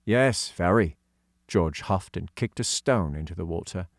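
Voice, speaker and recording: A man's voice: low-pitched, moderate pace, gravelly, no room sound, studio quality. A man reading scripted story narration as an audiobook narrator.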